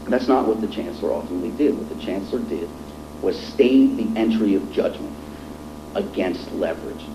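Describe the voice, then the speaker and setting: Guy lawyer making his court argument, low voice, roomy echo. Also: moderate pace. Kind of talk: formal appellate oral argument. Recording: echoey courtroom with clear noise and hum.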